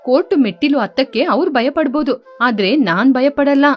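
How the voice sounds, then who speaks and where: A woman voicing a defiant, loyal teenage girl who scolds her parents in a sharp, indignant way. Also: sits high, animated, moderate pace, soft background music.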